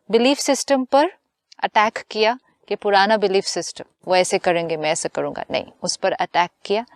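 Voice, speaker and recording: A woman with an Indian accent, a spiritual teacher speaking slowly and gently in a calm conversation. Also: medium pitch, no echo, clean studio sound. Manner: slow, gentle, deliberate speech mixing in English phrases.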